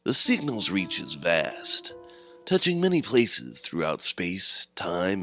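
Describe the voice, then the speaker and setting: A man performs an ominous host of a mysterious otherworldly signal, very deep and bright-edged, with lively swoops in pitch. His horror narration is theatrical and portentous, set over music. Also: creaky, exaggerated voice. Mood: theatrical, inviting. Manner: portentous, ornate, deliberate phrasing. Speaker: host of a horror anthology podcast. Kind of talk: scripted dramatic horror narration. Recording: music under the voice.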